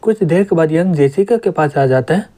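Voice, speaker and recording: A man retelling a manga story in a plain, even storytelling manner, voicing every character himself. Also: fairly high pitch, fairly quick. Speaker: comic recap narrator.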